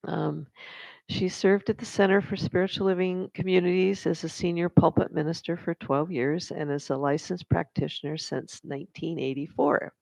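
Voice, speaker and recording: A woman at a church service reading a speaker's biography aloud, slow, adding small asides. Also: on the low side, steady tone, gravelly, no echo. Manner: reads slowly with warm asides and laughter. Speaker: service moderator introducing the speaker. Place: church hall. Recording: dull, dry sound.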